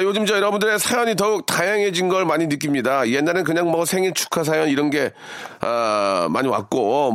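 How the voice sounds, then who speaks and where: Man, radio host, playful chat, animated pitch, dry close mic. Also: no room sound. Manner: chatty, playful, talks straight to listeners. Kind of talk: radio show hosting, reading listener messages. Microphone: studio microphone.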